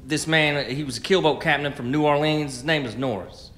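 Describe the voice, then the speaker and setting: A man's voice: fairly high pitch, a little fast, fairly bright tone, natural voice. An actor playing a hunted, stubborn frontier man in a radio drama, stammering, pleading and arguing. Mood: anxious, evasive.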